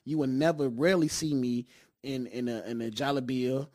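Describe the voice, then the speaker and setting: A middle-pitched man from Detroit with an African American accent, in casual conversation. He talks emphatically, repeats phrases for weight and keeps checking that he is being followed. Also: fairly even intonation, normal speed, mellow. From Detroit, United States. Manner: emphatic and repetitive, with frequent checking tags.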